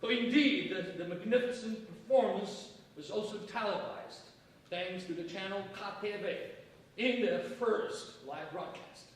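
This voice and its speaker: Provincial editor for a staged play, male actor: cheerful, self-assured, declamatory, high-pitched, heard distant in a very echoey hall. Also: measured pace. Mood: pompous. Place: theater stage, before an event audience. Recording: echoey stage, distant mic, faint noise.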